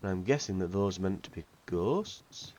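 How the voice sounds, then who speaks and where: A man's voice: low-pitched, animated, moderate pace, a little mellow, lo-fi sound, a little hiss or hum. A man with a slightly nasal voice from a cold, giving casual, rambling commentary while playing a video game. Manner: chatty, rambling, with fillers. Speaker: let's play host.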